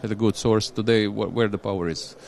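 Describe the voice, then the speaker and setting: A man speaking as an executive guest, his voice sitting very low. He talks haltingly, restarting phrases and checking in with "yeah?". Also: fairly even intonation, vocal fry, a little mellow, slight background noise. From Croatia. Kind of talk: conversational interview.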